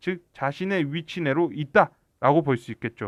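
At a moderate pace, a man talks in a fairly high pitch, the sound dry and close with no echo over a quiet background. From Gwangju, Jeolla. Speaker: real estate YouTuber. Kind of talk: tutorial.

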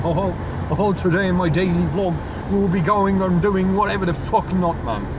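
A man's voice, with ordinary pitch variation and a moderate pace, comes through noticeable background noise. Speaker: vlogger driving. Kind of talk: casual vlog chat. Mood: relaxed, self-mocking. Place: car. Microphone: phone near.

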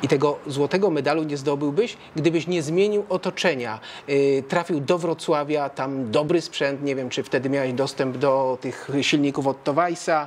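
A man talks at a moderate pace in a Polish accent, his pitch fairly high. His pitch varies in an ordinary way over light background noise. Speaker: sports interviewer. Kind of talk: casual chat. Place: studio.

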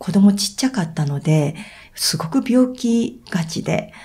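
Using a plain, everyday voice, a woman talks at a moderate pace with lively intonation. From Hokkaido, Japan. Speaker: painter and author. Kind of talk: interview.

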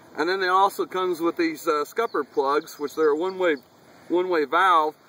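A high-pitched man with a bright, sharp tone at a fairly quick pace, dry with no echo. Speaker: store staff demonstrating product. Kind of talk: product demo talk. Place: waterside.

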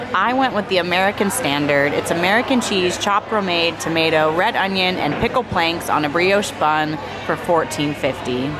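Background noise is noticeable. A woman speaks at a moderate pace. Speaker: vlogger, host. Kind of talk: casual vlog chat, food review. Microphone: phone near.

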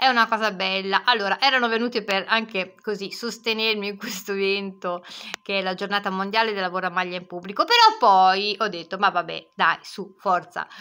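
The delivery is animated in tone and moves at a fairly quick pace. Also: woman, medium pitch for a woman. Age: 60s. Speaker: vlogger and knitting teacher; vlogger, knitting teacher. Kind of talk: casual vlog talk. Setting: at home. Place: home room.

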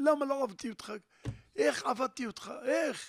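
The man's tone is animated and his intonation lively. He speaks at a fairly slow pace. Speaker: rabbi. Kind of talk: sermon.

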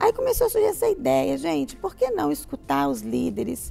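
The speech moves at a fairly slow pace, with faint music playing in the background. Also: woman. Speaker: guest. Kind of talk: interview answer. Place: studio.

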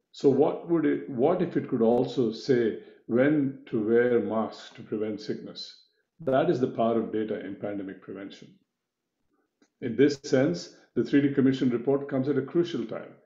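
Audible room echo surrounds a man's dark, mellow voice. The background is otherwise quiet. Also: ordinary pitch variation, moderate pace. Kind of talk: prepared speech. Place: office. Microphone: video call.

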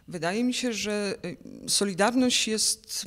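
A woman's voice over a quiet background. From small town near Warsaw, Poland. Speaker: sociologist and academic. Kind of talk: panel debate. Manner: hesitant, with repetitions. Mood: calm, thoughtful. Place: hall. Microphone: handheld.

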